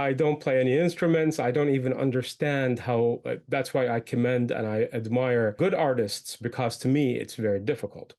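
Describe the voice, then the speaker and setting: A man's voice: mid-range voice, darkish tone. A man from Iraq who moved to the United States young, speaking as an interview guest in a conversational, explanatory way. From born in Iraq, moved young to the United States. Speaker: guest, entrepreneur and podcaster.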